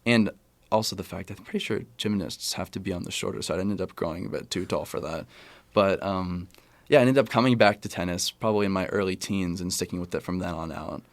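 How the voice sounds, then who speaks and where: A young American man with a deep voice talks quickly in a casual podcast interview. He rambles and corrects himself as he goes, like a college athlete chatting as a guest. The sound is dry and close, with very little room. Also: no echo. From California, USA. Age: young adult, about 20. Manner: conversational, rambling, self-correcting.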